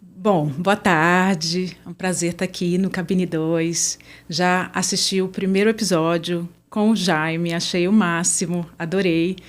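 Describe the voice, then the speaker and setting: A woman's voice: fairly low pitch, fairly even intonation, a little slow. A woman from Brazil, a conference interpreter, chatting as a podcast guest and telling stories in a friendly, easygoing way. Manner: chatty, warm storyteller. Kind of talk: casual interview chat.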